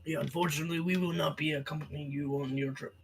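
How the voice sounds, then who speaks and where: High-voiced joking man at the game table. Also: steady tone, quick pace, a little hiss or hum, low-quality recording. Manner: joking, rambling with fillers. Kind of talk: tabletop role-play chat, partly in character.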